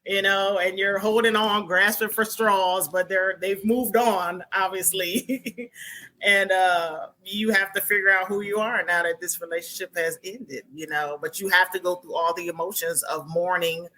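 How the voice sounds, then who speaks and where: A woman's voice: mid-range voice, steady tone, normal speed, bright, forceful tone. A woman in her forties, a retired Army veteran, telling her story in an interview with many fillers and restarts. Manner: reflective storytelling with frequent fillers and laughs. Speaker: podcast guest, Army combat veteran and author. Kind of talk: conversational interview.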